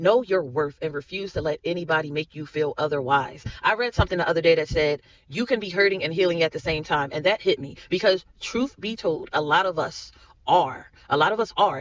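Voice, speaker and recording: An animated man speaks at a moderate pace with lively intonation, the sound dry and close with no echo. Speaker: podcast host. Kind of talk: motivational monologue. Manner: stutters when worked up.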